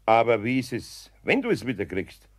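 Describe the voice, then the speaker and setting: A man's voice: mid-range voice, very animated, normal speed. A man playing an older Bavarian craftsman in a children's audio drama, firm but patient, admonishing dryly in a colloquial way.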